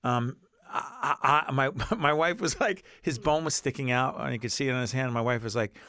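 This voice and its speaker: A man's voice: medium pitch, brisk, sharp tone, dry recording. A man hosting a studio talk show, chatty and joking, congested from a cold. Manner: chatty, jokey, interrupting. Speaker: show host.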